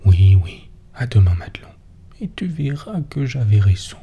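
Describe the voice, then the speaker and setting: A man in a whispered role-play, voicing a gruff, grumbling peasant husband. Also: fairly low pitch, very animated, normal speed, dull audio, slight background noise. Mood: gruff teasing. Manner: soft whispered reading.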